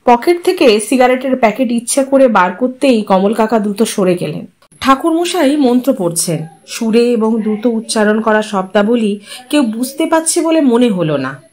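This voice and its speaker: Expressive woman storyteller. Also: a little high. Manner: expressive, measured. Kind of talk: audiobook story narration.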